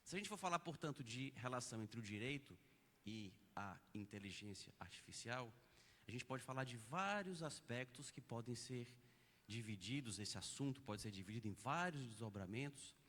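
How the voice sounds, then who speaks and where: A man's voice: medium pitch, expressive, normal speed, a bit bright. A Brazilian man delivers a conference lecture in a mid-range voice. He is patient and explanatory, building his points with examples. His words ring out with the long reverb of a big auditorium. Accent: Brazilian Portuguese. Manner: didactic, explains step by step with examples.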